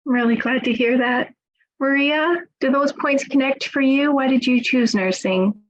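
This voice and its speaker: A woman's voice: high-pitched, normal speed. Encouraging woman moderating a video call. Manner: warm, encouraging questioner. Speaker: nursing school director, moderator. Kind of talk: live webinar panel moderation. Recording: slightly dull video-call audio.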